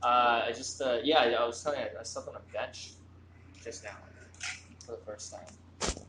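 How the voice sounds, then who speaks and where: A comedian chatting casually in a laid-back way, often trailing off. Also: male voice, mid-range voice, fairly even intonation, moderate pace, noisy background. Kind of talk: casual chat. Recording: roomy echo.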